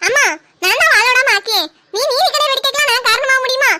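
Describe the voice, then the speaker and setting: Lady doing a nagging mother-in-law, super high bright voice, fast, mocking and wailing. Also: exaggerated voice. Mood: scolding. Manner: mocking, scolding, self-pitying wails. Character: sharp-tongued older Tamil mother-in-law. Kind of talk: comic family skit.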